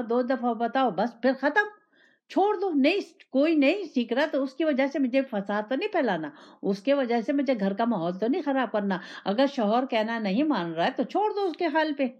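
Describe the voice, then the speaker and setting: A woman giving an Islamic sermon, repeating phrases and asking rhetorical questions in the first person. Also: a little high. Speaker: religious teacher. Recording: dull lo-fi recording.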